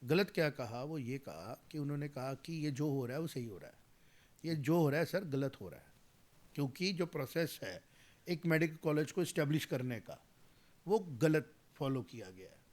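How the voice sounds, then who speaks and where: Man, 40s, high voice, emphatic political commentary, heated. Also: animated, normal speed, a little mellow. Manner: emphatic, rising to heated argument; mixes English phrases into speech. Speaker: guest commentator. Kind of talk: political interview.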